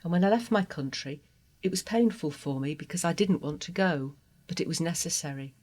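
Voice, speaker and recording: A trans woman from Guatemala, a native Spanish speaker, telling her life story in an interview with an earnest, heartfelt, measured manner. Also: deep voice, a little mellow. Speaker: interview guest. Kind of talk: personal testimony interview.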